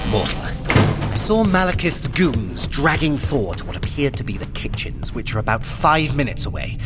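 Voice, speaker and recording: A grandiose, sardonic trickster god in an audio adventure. His voice sits fairly high for a man and swoops widely, lingering over words with dramatic relish. There is clear background noise around him. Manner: grandiose, dramatic, drawn-out delivery with mock-tender asides. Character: Loki, theatrical, sardonic, vengeful god of Asgard. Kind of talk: dramatised fitness audio adventure, speaking to the listener.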